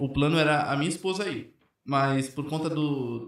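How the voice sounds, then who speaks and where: A man uses a normal speaking voice at a fairly high pitch, with fairly even intonation. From Brazil, Santos (São Paulo coast). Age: 20s. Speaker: jiu-jitsu instructor, immigrant. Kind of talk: casual interview.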